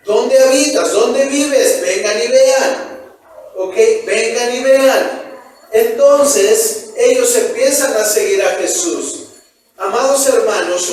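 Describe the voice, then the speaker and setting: A male pastor with a Mexican Spanish accent preaching a lively sermon, asking his congregation questions and acting out the voices he quotes. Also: very high-pitched. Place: church hall. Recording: echoey church room, mic at a distance.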